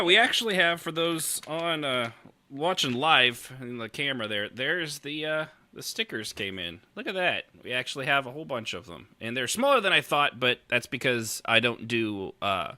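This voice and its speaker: Male podcast host: rambling, jokey, sharply bright delivery with animated swings, recorded close and dry. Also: medium pitch, normal speed, dry recording. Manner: rambling, joking, teasing. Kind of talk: casual chat, hosting a live roleplay podcast.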